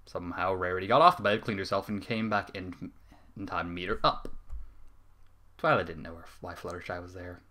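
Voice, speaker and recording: A man's voice: low voice, fairly even intonation, a little fast, pushed and bright. A man reading a comic fan story aloud as a dramatic narrator. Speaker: story reader.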